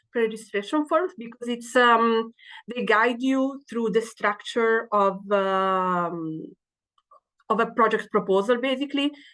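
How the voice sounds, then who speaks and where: A woman speaks with a non-native accent in a bright, sharp tone at a fairly high pitch and a fairly slow pace. Her pitch varies in an ordinary way, and the background is quiet. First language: not English. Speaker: early-career researcher. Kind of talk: webinar presentation. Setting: online webinar. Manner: halting, many fillers.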